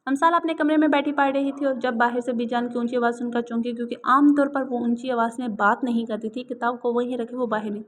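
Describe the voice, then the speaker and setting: A woman reading a romance novel aloud in steady, expressive audiobook narration. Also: a little high, quick pace, hardly any pauses.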